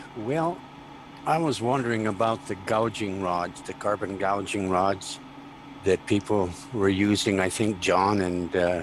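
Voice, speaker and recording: This man has a normal speaking voice, fairly low in pitch, moving at a fairly slow pace with ordinary pitch variation. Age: 60s. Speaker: online group participant. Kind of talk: casual chat.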